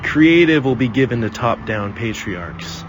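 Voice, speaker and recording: A man's voice: lively intonation, a little slow, lo-fi sound. A man delivering a scripted, declamatory monologue. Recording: clearly noisy, rumbling background.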